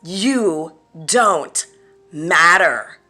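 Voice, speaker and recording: A woman's voice: lowish voice, lively intonation, extremely slow, bright, forceful tone, exaggerated voice. A woman voicing a cruel, furious abuser who screams harsh insults at a child, punching each phrase. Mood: furious, contemptuous.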